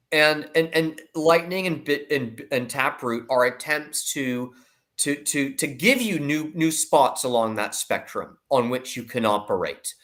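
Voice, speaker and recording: A man giving conversational financial commentary as an analyst, emphatic and deliberate, repeating words as he builds his points. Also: fairly high pitch, a bit bright. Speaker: investment analyst, guest commentator.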